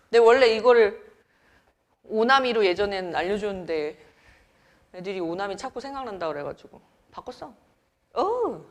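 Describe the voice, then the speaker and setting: Lively woman teaching grammar. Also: fairly high pitch. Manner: lively, chatty, quizzes students with quick questions. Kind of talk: classroom lecture.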